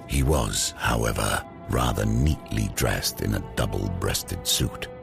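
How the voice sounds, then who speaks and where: Gothic horror narrator: rumbling, extremely low, creaky, grave and deliberate, music underneath. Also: male voice, full character voice. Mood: ominous. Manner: deliberate, dramatic pauses. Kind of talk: scripted audio drama narration.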